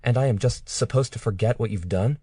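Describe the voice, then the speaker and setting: A man's voice: medium pitch, fairly quick, mellow, breathy edge, no room sound, studio quality, pitched above the performer's own voice, lightly acted. A man voicing a defiant, frightened young captive woman in an audiobook, speaking in an earnest, pleading way. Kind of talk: audiobook character reading.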